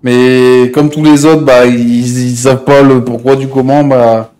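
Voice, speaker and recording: A man's voice: mid-range voice, little pitch movement, unhurried, dark tone. A man streaming an online roleplay game, talking in casual, slangy improvised chat with frequent swearing and repeated pet phrases. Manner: repeats verbal tics, swears freely.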